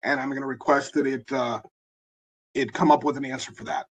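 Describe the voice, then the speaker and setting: Hoarse husky man demoing software. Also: mid-range voice, steady tone. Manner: halting, many fillers and restarts. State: hoarse, losing his voice. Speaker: webinar presenter. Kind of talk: live software demo walkthrough.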